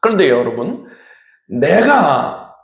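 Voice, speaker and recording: High, gravelly preaching man in echoey church. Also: sing-song, slow pace. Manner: dramatic preaching with sudden shouts and swings in pitch. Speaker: pastor. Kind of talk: Sunday sermon. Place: church sanctuary.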